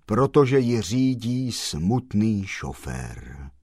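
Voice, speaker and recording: A gloomy gentleman in black from a storybook who speaks in a hollow, grave voice, put on by a man. He talks slowly, as if everything were a funeral. The sound is dry and close. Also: mid-range voice, sing-song, no echo. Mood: mournful. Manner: slow and sorrowful.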